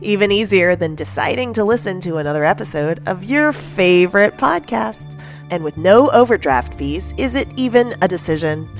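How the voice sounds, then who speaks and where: A woman's voice: medium pitch, lively intonation, normal speed, faint music behind. A woman reading a scripted bank ad in a playful, upbeat way. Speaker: ad announcer. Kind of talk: scripted radio ad.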